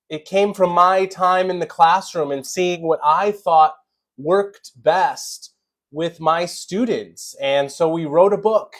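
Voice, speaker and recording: Slow-talking American man hosting a live stream. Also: a little high. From Chicago, USA. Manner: relaxed, greets viewers by name, many fillers. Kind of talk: casual live-stream chat.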